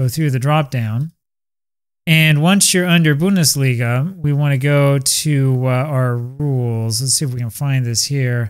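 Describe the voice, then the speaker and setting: A man speaks at a fairly high pitch and a fairly slow pace. His pitch varies in an ordinary way over a quiet background. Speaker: gaming YouTuber; gaming tutorial creator. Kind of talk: tutorial. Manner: hesitant, many fillers. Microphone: studio mic.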